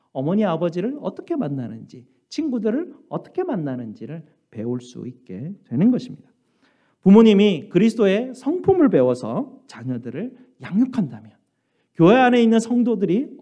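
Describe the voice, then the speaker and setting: Lively, dark-toned preaching man. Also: sits high, breathy edge. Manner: earnest preaching with many rhetorical questions. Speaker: pastor. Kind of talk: sermon. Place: church sanctuary. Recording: dull lo-fi church recording.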